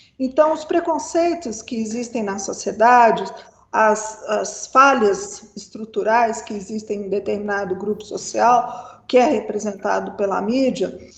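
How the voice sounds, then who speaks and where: A woman's fairly high voice at a fairly slow pace, with ordinary pitch variation, big swings in loudness and noticeable background noise. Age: 60s. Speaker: professor. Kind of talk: interview.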